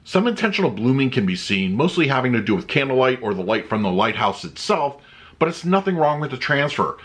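His mid-range voice is a bit bright, very animated, and a little fast as this man in his thirties reviews a movie disc at home among shelves of discs. After some loose chatting, he reads out a written review.

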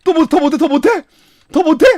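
A man streaming a game, playing in casual commentary, excitable, mumbling to himself one moment and shouting and laughing the next. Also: very high-pitched, fast talker. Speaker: gaming streamer.

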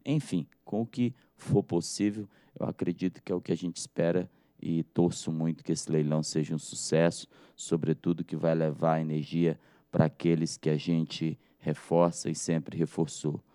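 A Brazilian man with a Brazilian Portuguese accent, an agency director giving measured formal remarks over a video call, repeating phrases and restarting often. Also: extremely low pitch, little pitch movement, warm tone, clear, resonant tone, dry recording, clean studio sound.

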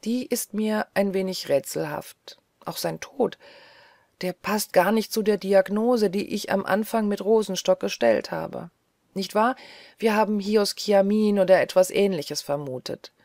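A woman voicing a gentle, troubled male hospital doctor who reasons in a quiet, brooding way. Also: medium pitch, unhurried, no room sound, studio quality, natural voice.

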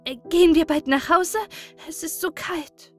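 Woman doing a poor little girl, high and pleading, breathless and timid; faint music bed. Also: a little slow, a little mellow.

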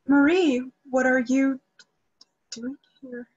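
A woman's voice: sits high, fairly even intonation, slow pace, a little mellow, slightly rough, muffled recording, heavily acted. A young woman acting a frightened, secretive opera singer in an emotional staged reading. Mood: startled. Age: young adult. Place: room at home. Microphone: computer mic on video call.

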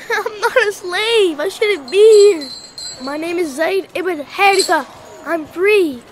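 A man's voice: extremely high pitch, sing-song, fast, crowd noise, voice pushed up. A man voicing a frightened twelve-year-old boy held captive. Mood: pleading.

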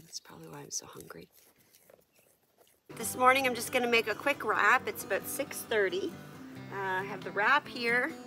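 A woman's voice: fairly low pitch, vocal fry. A middle-aged woman with a stuffed-up nose talks casually about her solo camping trip, with lots of ums and uhs, filming herself at arm's length outdoors. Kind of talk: casual vlog narration. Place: outdoors at a lakeside campsite and in a tent. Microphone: camera at arm's length.

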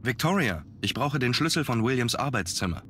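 An actor voicing a young nobleman hero in a game dub, measured and earnest. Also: medium pitch, animated, fairly bright tone, slight background noise, lightly acted.

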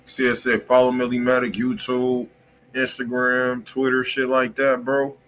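An American man hosts a casual music livestream with a medium-pitched voice. His talk is slangy, repetitive and insistent, with a faint layer of noise behind it. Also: monotone, measured pace, a bit bright. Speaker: music review stream host. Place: indoor room on a livestream.

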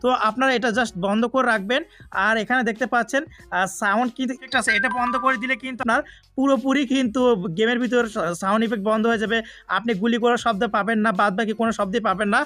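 A man's voice: very high-pitched, fairly even intonation, quick pace, sharp tone. A man giving a casual gaming tutorial voice-over, explaining things directly to viewers.

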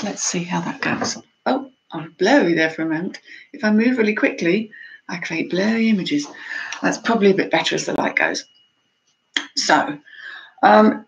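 A woman's voice: on the low side, creaky, muffled recording, background noise. A woman chatting casually on a live stream from home, a little out of breath and greeting viewers by name. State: slightly out of breath. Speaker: reseller vlogger. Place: home room by a window.

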